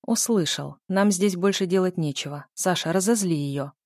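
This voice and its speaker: An icy, clipped male sovereign and necromancer, read by a woman narrating a storybook in a low, mellow voice. He stays controlled and commanding. The recording is dry and close. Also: moderate pace, dry recording. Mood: cold.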